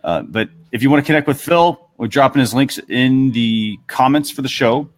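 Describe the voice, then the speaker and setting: Conversational man, medium pitch. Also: lively intonation, moderate pace. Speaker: host of a marketing talk show. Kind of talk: casual chat.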